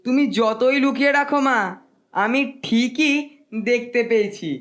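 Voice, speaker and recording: A man's voice: very high voice, a little slow. An actor playing a greedy, sly gluttonous boy in a children's cartoon, with an exaggerated, wheedling delivery. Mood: sly, gleeful. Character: gluttonous boy Haripada, greedy, sly, whiny when caught. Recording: loud music behind the voice.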